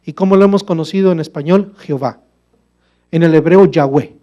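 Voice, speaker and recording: A man preaching a sermon in a church, asking the congregation rhetorical questions and calling them brother, moving between emphatic loud passages and quiet low asides. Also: fairly quick, highs cut off.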